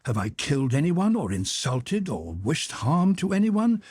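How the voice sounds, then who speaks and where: A man's voice: on the high side, sing-song, unhurried, a little mellow, breathy edge, pitched above the performer's own voice, full character voice. A man reading the part of a young nobleman gambler, proud but desperate, questioning himself in anxious, pleading inner talk. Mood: anguished.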